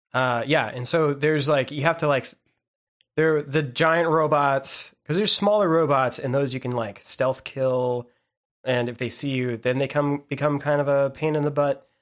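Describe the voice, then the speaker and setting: Recorded very cleanly against a silent background, a man with a fairly high pitch speaks at a moderate pace. His intonation is fairly even, and he has an unremarkable speaking voice. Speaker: audio department worker / podcast co-host. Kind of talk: casual chat.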